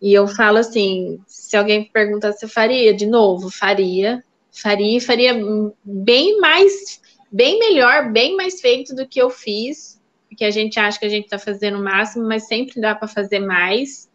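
A woman guest telling her own story in a casual chat, animated and acting out the voices of people she quotes, on a dull lo-fi recording. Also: mid-range voice, a little slow. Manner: animated, acts out quoted dialogue. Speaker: interview guest sharing her fertility story.

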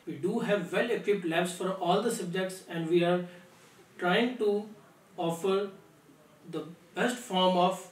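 A young man delivers a formal scripted address as an academic director. His voice is high for a man, with clear room echo and a slightly distant mic. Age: young adult. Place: small office, seated at desk.

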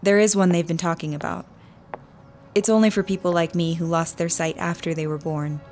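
An actress playing a thoughtful, self-assured blind woman in radio drama dialogue, speaking in a measured way. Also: lowish voice, steady tone, darkish tone, close to an everyday voice. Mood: reflective.

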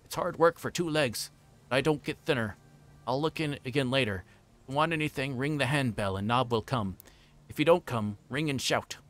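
A man voicing a bustling, forgetful fat innkeeper in a storybook reading, rambling on in a hurried, folksy way. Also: medium pitch, fairly bright tone, lightly acted. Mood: flustered, rambling. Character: flustered, bustling, chatty fat middle-aged male innkeeper.

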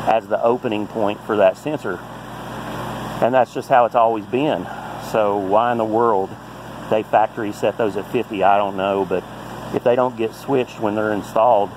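A fairly low-pitched man talks through a hands-on repair tutorial in a folksy, practical way. He is recorded on a phone outdoors beside a heat pump, with clear background noise around him. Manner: plain-spoken, folksy and practical. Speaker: HVAC technician.

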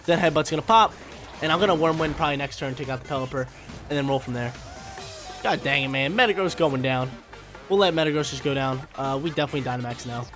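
A young man talks quickly in a slightly high voice, stuffed up and nasal from allergies. He calls his video game moves out loud in hyped, slangy bursts. Faint game music plays behind him. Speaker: gaming YouTuber. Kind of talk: live commentary over a video game battle.

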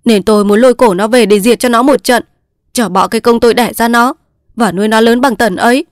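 A woman reading the part of an angry, sharp-tongued old village mother who scolds bluntly, in a dry recording. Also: fairly high pitch, a little fast, no echo, close to an everyday voice. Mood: aggrieved.

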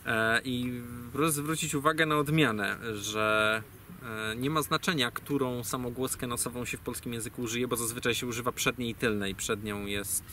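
A man's voice: mid-range voice, moderate pace, bright, forceful tone. A man giving a rambling, digressive explanation in casual talk, full of fillers and self-corrections. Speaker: guest speaker on language origins. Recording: distant mic, faint ambient noise.

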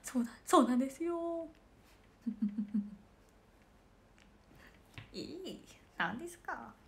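A woman's voice: high voice, lively intonation, very slow, gravelly, a little hiss or hum. A woman in her late teens hosting a casual livestream, chatting and giggling while reading viewer comments. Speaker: idol livestream host.

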